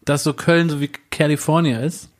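A man's voice: fairly high pitch, little pitch movement, moderate pace. A man co-hosting a casual chat, teasing and throwing in provocative questions. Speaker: co-host.

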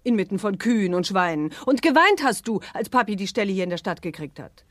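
A woman's voice: medium pitch, lively intonation, a little fast, no room sound, clean studio sound, lightly acted. A woman playing a patient but firm mother, pointed and persuasive, in a German children's audio drama. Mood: patient, reproving.

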